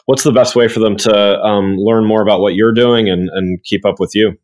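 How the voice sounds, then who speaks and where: A man hosting a podcast, thanking his guest and reading a smooth, upbeat outro. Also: lowish voice, steady tone, normal speed, darkish tone. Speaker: podcast host.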